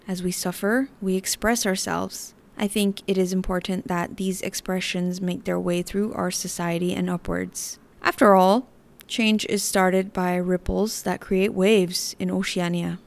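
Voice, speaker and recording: A woman's voice: on the low side, steady tone, measured pace, vocal fry. A woman hosting a podcast, reading scripted commentary in an earnest, reflective way. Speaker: podcast host.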